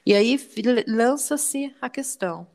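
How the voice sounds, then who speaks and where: A woman's voice: slow pace, vocal fry. A middle-aged Brazilian woman telling a personal story on a podcast, acting out the dialogue as she goes. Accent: Brazilian Portuguese. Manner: animated, quotes dialogue with rising pitch. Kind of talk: casual storytelling.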